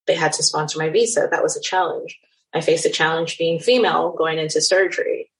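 Reflective woman, low voice, American accent. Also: fairly even intonation, fairly quick, creaky, poor audio. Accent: general American. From Nigeria and the Netherlands. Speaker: cosmetic surgeon guest. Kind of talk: interview conversation.

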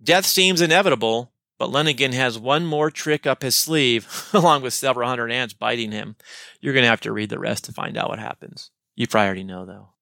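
Male teaching-podcast host, playful asides, bright forward tone. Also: mid-range voice, brisk, gravelly, no echo, studio quality. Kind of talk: podcast lesson summary.

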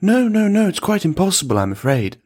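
Man playing a high-pitched, pompous stern priest. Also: very animated, moderate pace, husky. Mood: stern, dismissive. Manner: emphatic, repetitive, haughty refusals.

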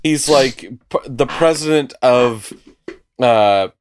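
A man's voice: medium pitch, slow pace, smooth. A man co-hosting a podcast, retelling an anime episode as a playful storyteller who laughs often. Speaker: podcast co-host. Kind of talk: casual anime recap chat.

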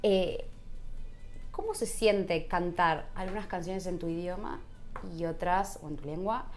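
A woman interviewing a singer, asking friendly questions with soft diminutives. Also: lowish voice, a little slow, faint music behind.

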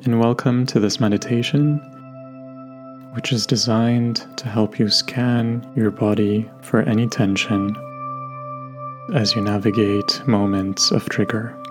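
A man guiding a meditation in a gentle, unhurried way, leaving long pauses between instructions. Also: on the low side, steady tone. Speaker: meditation guide. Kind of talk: guided meditation narration. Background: soft background music.

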